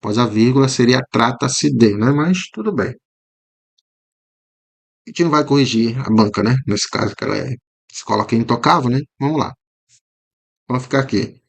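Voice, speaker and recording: A Brazilian man with a Brazilian Portuguese accent, a teacher going through exam questions, often checking in with "né?" and repeating words slowly to show how they sound. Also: medium pitch, creaky. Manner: explanatory, frequent "né?" tags, repeats words slowly to model pronunciation. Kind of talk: commented exam walkthrough.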